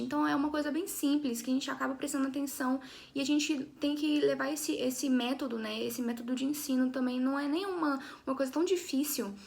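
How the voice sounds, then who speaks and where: A woman's voice: high voice, vocal fry. A young woman teaching an English lesson to her students, chatty, often checking in with her class and restarting her sentences.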